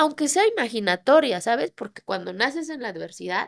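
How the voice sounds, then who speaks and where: With an Oaxacan accent, a woman speaks in a high pitch and an animated tone on a very clean recording with a silent background. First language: Zapotec (speaking Spanish). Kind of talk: interview.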